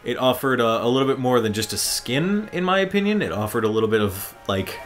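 A man's voice: mid-range voice, very animated, fast talker, a bit bright. A man giving casual, explanatory commentary on a game, rambling like a fan. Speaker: gaming commentary host. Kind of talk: casual chat commentary over game cutscenes. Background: game cutscene music.

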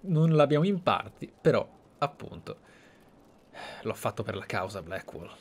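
A man's voice: fairly low pitch, big pitch swings, measured pace, slight background noise. A man with an Italian accent hosting a roleplay game playthrough, commentating in a reflective, conversational way. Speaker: host, game streamer. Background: game music.

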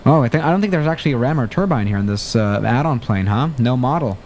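On a desk-mounted studio mic in a small room, a young man streams a flight simulator, his mid-range voice quick and carrying a faint hiss or hum. His live commentary is chatty and excitable, and emergencies leave him flustered.

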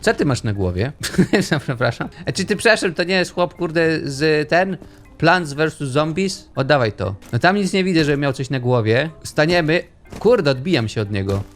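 Playful lively gamer man. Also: on the high side, moderate pace, soft background music. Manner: playful, jokey, chatty with game characters. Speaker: gaming YouTuber. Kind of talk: let's play commentary.

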